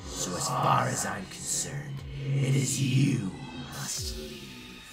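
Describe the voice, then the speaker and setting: A man's voice: extremely low pitch, sing-song, slow pace, exaggerated voice. A man voicing a sadistic, gloating male villain train engine in a fan audio drama, with sneering, whispered menace. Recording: loud music behind.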